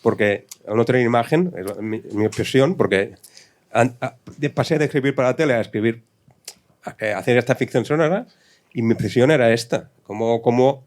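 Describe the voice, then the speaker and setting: A man's voice: mid-range voice, brisk, a little mellow. A man from in a casual panel discussion, repeating words for emphasis. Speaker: audio fiction writer, panelist.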